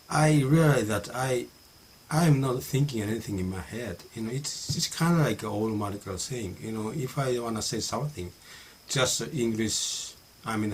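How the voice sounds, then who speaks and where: Middle-aged Japanese man, talking alone, Japanese accent, low-pitched voice, halting delivery packed with fillers and restarts, faint hiss under the voice. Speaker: vlogger practicing English. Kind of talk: casual solo monologue.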